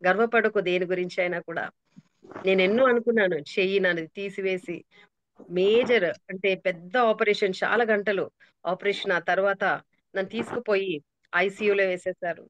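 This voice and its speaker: A woman's voice: medium pitch, no room sound. A middle-aged woman giving an emotional, earnest testimony sermon over a call, slipping in English phrases. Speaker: prayer group speaker.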